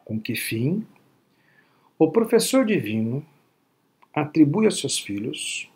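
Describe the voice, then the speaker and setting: A man's voice: fairly high pitch, sing-song, takes it slowly, darkish tone. Teacherly older man giving a lecture. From Brazil. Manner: teacherly, frequent tag questions. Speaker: spiritist lecturer. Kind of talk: online spiritist lecture. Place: home room at night. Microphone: laptop webcam video call.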